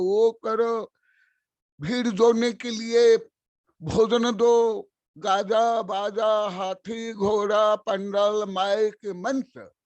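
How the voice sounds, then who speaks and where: An older man preaching as a monk, pressing each point with slow, deliberate emphasis and coming back to it again and again. His voice sits high for a man and is heard dry and close, with no room around it. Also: dry recording. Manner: slow, emphatic and repetitive, reciting verses. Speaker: Jain monk and spiritual teacher. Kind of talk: sermon.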